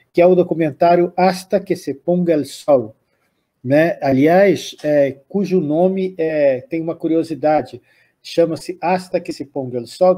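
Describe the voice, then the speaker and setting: Husky, mellow Brazilian man rambling on music. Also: on the high side. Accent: Brazilian Portuguese. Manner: rambling, many restarts and tag questions. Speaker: music show host. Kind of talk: unscripted spoken commentary.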